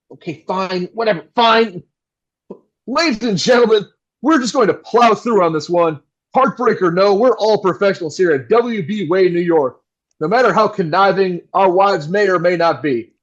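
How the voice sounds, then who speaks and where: A man's voice: high voice, fairly bright tone, exaggerated voice, poor audio. A man playing a flustered, melodramatic 1960s New York radio host with theatrical announcer delivery in an audio drama. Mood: flustered, wounded.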